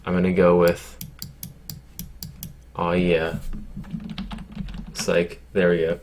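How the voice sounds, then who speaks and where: Casting note: deep, deadpan male YouTuber, low-key and rambly, swears casually. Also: moderate pace, a little hiss or hum. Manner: deadpan, low-key, sounds glum by his own account; rambling with many fillers and swearing. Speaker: YouTuber answering viewer questions. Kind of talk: casual Q&A chat.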